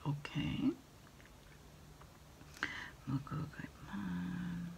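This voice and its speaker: A middle-aged woman in a quiet ASMR roleplay, speaking haltingly and hushed as she takes a takeout order over the phone. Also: fairly low pitch, creaky, a little hiss or hum. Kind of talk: ASMR roleplay, whispered one-sided phone conversation.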